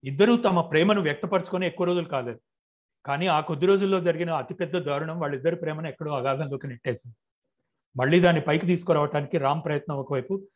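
A man reading his own novel aloud in a steady, even storytelling manner. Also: fairly high pitch.

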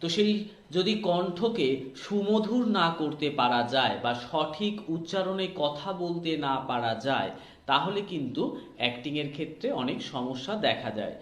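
A man's voice: on the high side, expressive, normal speed. A man giving informal instructional advice as an acting and voice coach, explaining things directly to the listener. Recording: echoey room.

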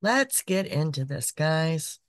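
A woman, hosting a psychic podcast, her voice raspy from being sick, chatty and repetitive. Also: low voice, sing-song, takes it slowly, no echo, studio quality. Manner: chatty, repeats phrases, frequent "okay". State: raspy voice from illness. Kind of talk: casual monthly horoscope reading. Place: small decorated home room.

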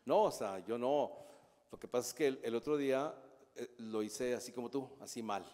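A know-it-all grown son with a Mexican accent, talking down with a smug, mocking tone, as a comedian acts him out. The voice rings through a hall with a long tail of reverb. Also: male voice, mid-range voice, normal speed, mellow, voice pushed down, lightly acted. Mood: condescending. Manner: mocking, condescending tone.

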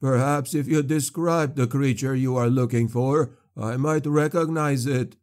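A man voicing a broken old male sorcerer, locked in a cage, speaking slowly with a wheezing sneer. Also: mid-range voice, fairly even intonation, darkish tone, natural voice. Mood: fawning. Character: broken old male sorcerer, caged, mocking then fawning.

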